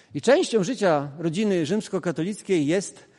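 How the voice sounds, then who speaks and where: This man has an unremarkable speaking voice and lively intonation. He talks at a moderate pace against a quiet background. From Poland, Kashubia. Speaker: preacher. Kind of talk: sermon. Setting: church service.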